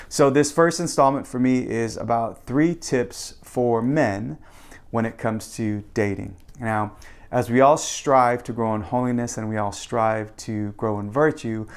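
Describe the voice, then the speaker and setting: A man's voice: medium pitch, creaky. A man giving casual advice in a monologue, speaking in an earnest, confident, conversational way like a coach. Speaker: podcast co-host giving advice.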